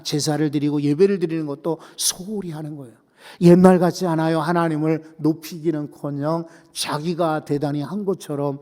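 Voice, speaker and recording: A man preaching a sermon as senior pastor, telling a story with lively turns and asking the congregation questions. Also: fairly high pitch. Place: church sanctuary. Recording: long church reverb.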